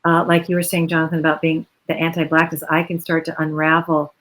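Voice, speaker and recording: A woman with a slightly low voice joins a virtual panel over a video call. She speaks earnestly and reflectively, in long flowing explanations. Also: monotone, fairly quick, a bit bright, rough recording. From United States.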